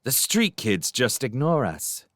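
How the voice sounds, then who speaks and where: A man's voice: medium pitch, wildly swooping pitch, takes it slowly, fairly bright tone, no echo, studio quality, voice pushed up, full character voice. A man reading aloud, voicing a shifty spirit disguised as a street orphan, speaking in a sulky, whiny way. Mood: sulky complaining.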